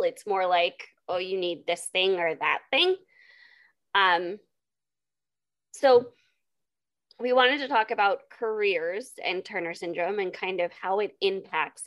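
A young adult woman hosting a podcast, bubbly and excitable in casual chat. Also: mid-range voice. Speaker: podcast host.

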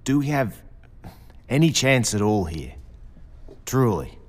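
A man's voice: medium pitch, sing-song, slow. A man playing an anxious civilian in a science fiction audio drama, hesitant and earnest. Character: anxious male civilian voicing everyone's fear.

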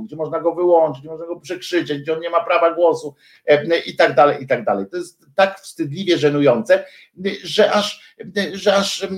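A man's voice: a little high, reverberant. A man delivering a heated, scornful political rant straight to his viewers, with many hesitation fillers. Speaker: political commentator. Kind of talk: ranting monologue to viewers.

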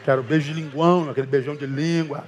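A man's voice: on the high side, rapid-fire, faint music behind. A man preaching as a pastor, telling stories in a colloquial way and acting out the voices of the people in them. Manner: animated storytelling with quoted voices; colloquial, addresses listeners as brother. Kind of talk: sermon.

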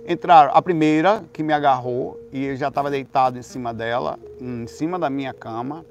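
Through a muffled recording with a touch of hiss or hum, a man with a Brazilian Portuguese accent wanders through a long, casual story. His mid-range voice keeps a moderate pace, and he curses freely while veering between hushed and loud.

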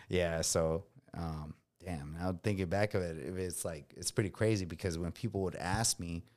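Very deep-voiced man with a slight Latino accent. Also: normal speed. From United States. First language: Spanish. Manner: relaxed, slangy storytelling with frequent fillers. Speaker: guest, combat veteran. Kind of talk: casual conversational interview.

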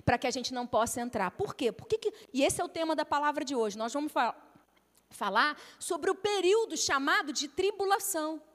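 A middle-aged Brazilian woman delivers a sermon in a high, bright voice, acting out the people in her stories. Her voice rings with a long reverb, as if she is speaking in a large hall. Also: a little fast. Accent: Brazilian Portuguese. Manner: storytelling, animated with acted-out quotes. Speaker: pastor's wife preaching.

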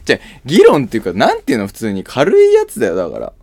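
Quick, lively young man co-hosting. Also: medium pitch, vocal fry, a crowd in the background. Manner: animated, quick storytelling. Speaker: podcast co-host. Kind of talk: casual radio chat.

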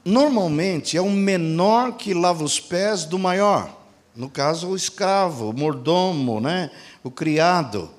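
A man's voice: expressive, takes it slowly. A preacher man asking and answering. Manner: asks the congregation rhetorical questions and answers them; acts out quoted dialogue with shifts in pitch and pace. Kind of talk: sermon.

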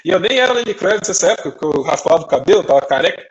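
A high-voiced young man from Brazil rattles off stories in a casual podcast chat, his pitch swinging widely. He jumps in and out of quoted dialogue, giving each person in the story a voice of their own. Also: lively intonation, rapid-fire, dull audio. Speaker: podcast co-host.

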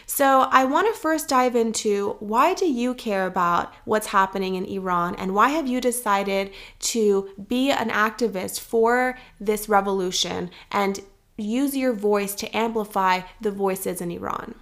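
A young woman hosting a podcast, speaking in an earnest, measured and reflective way. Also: mid-range voice, a bit bright. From United States. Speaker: podcast host. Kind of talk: scripted podcast commentary.

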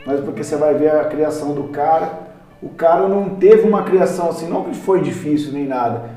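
A man hosting a podcast, talking slowly and emphatically in slang. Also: fairly high pitch, dark tone, faint music behind. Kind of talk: casual podcast chat. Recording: very echoey, distant from the mic.

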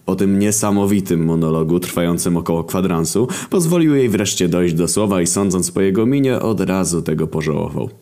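Very low-voiced guy reading a crude funny story, deadpan and sardonic. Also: brisk, hardly any pauses. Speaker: narrator. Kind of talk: scripted narration of a crude comic story.

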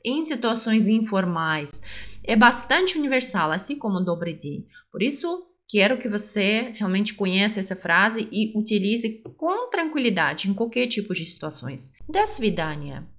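A woman teaching phrases on a podcast, modelling each one slowly and carefully and repeating it for the listener. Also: medium pitch, a bit bright. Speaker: language teacher. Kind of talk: podcast language lesson.

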